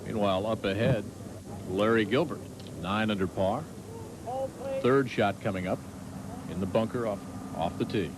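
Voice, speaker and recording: A man's voice: on the low side, normal speed, pauses often. A man anchoring a live golf broadcast as commentator. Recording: noisy outdoor sports broadcast.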